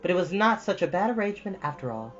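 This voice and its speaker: A woman's voice: lowish voice, sing-song, quick pace, lo-fi sound, soft background music. A woman hosting storytime, reading expressively and chatting casually to listeners. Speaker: storytime host and reader.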